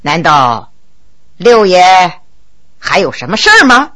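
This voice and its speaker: A woman voicing a bold, blunt low-ranking male county magistrate who talks in a cool, sly, deliberate way. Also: very animated, bright, forceful tone, husky, exaggerated voice.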